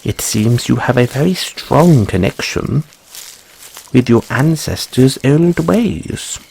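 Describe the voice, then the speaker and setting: A man's voice: mid-range voice, expressive, slow pace, creaky, a little mellow, slight background noise, low-quality recording. A man voicing a fussy, curious white rabbit boy in an audio roleplay, with courteous, ornate phrasing and a stammer. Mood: mysterious, intrigued. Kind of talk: audio roleplay addressed to the listener.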